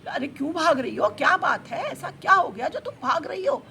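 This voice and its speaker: A woman voicing a commanding, skeptical male lion king who questions loudly. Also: big pitch swings, normal speed, exaggerated voice. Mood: demanding. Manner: loud booming questions. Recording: noisy background.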